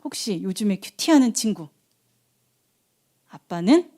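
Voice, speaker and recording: Lively woman telling a children's Bible story. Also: mid-range voice, unhurried. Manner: animated storytelling, asks children questions, acts out voices. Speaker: children's ministry preacher.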